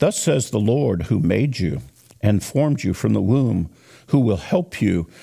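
A man speaks at a fairly slow pace in a fairly low pitch, his tone dark and mellow with vocal fry. His pitch swings very widely, and the recording is very clean with a silent background. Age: 70s. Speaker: congregation teacher. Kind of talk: sermon. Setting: church. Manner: halting.

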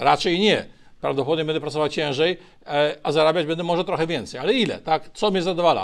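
Very fast speech captured in a very clean recording against a silent background. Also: man. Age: 60s. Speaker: business consultant. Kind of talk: interview. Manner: fluent.

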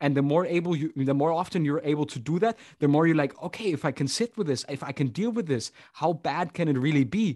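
A man with a non-native accent, fairly high pitch, lively intonation and a very fast pace, in a very clean recording with a silent background. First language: not English. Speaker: podcast host and tinnitus coach. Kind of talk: interview.

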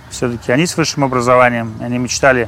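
Medium-pitched male speech over background music. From Azerbaijan. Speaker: businessman and founder of a cultural center. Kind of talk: casual interview. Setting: outdoors at a park, on a tour.

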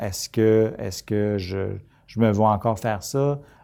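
In a Quebec accent, a man speaks at a fairly slow pace with a dark, mellow tone, in a very clean recording with a silent background. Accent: Québécois French. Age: 40s. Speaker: nonprofit executive director. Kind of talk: interview.

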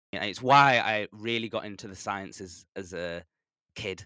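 With a Yorkshire accent, a man talks in a dry, close sound with no echo. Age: 20s. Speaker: adoptee sharing his story. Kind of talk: casual interview chat. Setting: video call.

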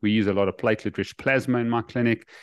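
In a South African accent, a man talks at a very fast pace. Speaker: health coach. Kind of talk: interview.

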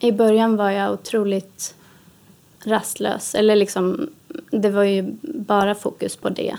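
A woman at a medium pitch and a very slow pace. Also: ordinary pitch variation. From Sweden, Dalarna. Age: 20s. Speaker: podcast guest sharing personal story. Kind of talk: personal interview, testimony.

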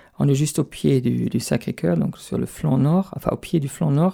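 Very wide pitch swings from a man of medium pitch with a dark, mellow tone. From Germany, Stuttgart area. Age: 50s. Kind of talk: radio interview testimony. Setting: studio. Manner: halting.

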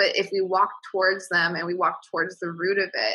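With an American accent, a woman has an ordinary speaking voice at a medium pitch and a fairly quick pace. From US Midwest, Illinois. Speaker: podcaster and social media manager. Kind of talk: casual chat.

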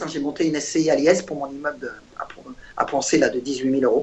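Noticeable background noise behind a man with a fairly high voice. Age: 40s. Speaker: real estate investor. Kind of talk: casual chat. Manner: halting.

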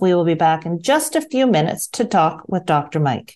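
A woman speaks at a fairly quick pace in a normal speaking voice with lively intonation. The background is quiet. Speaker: radio host and nutritionist. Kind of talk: radio interview.

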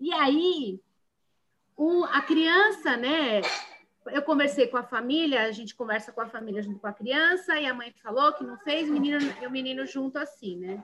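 A woman speaks at a moderate pace in a high voice with lively intonation. Her loudness swings widely. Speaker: school educator. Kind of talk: case presentation.

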